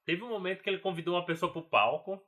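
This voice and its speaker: A man's voice: sits high, rapid-fire, bright, forceful tone. A man with a Brazilian Portuguese accent co-hosting a podcast in casual chat, rambling and leaning on fillers. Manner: rambling, fills with "cara" and "entendeu", laughs often. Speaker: podcast co-host.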